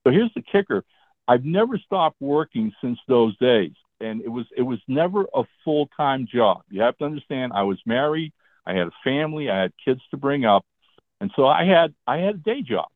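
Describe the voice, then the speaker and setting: A man's voice: mid-range voice, very animated, normal speed, no room sound. Older man, 70s, talkative career storyteller, frequent "all right?" check-ins, tinny phone audio. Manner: chatty, often checks in with "all right?" and "okay?". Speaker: guest, comic book writer. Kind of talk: casual interview storytelling. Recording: tinny phone-line sound.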